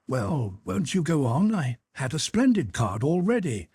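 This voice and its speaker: A proud young nobleman, voiced by a man reading aloud, sinking into despair at a card table. His husky voice swings up and down as he questions himself in anxious, pleading bursts. It sounds dry and close. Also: a little high, very animated, a little slow, darkish tone, dry recording, pitched above the performer's own voice, heavily acted. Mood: forced casual. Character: young male nobleman gambler, desperate, proud.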